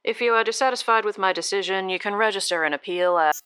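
A woman's voice: mid-range voice, fast talker, fairly bright tone, clean tone, natural voice. A woman playing a formal, unyielding government records officer reading out official correspondence in an audio drama. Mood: officious.

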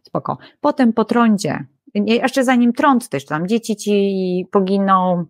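A woman biblical scholar explaining scripture in lively conversation, often using fillers and acting out quoted lines. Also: mid-range voice, slow, dry recording. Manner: animated, frequent fillers, acts out quoted voices.

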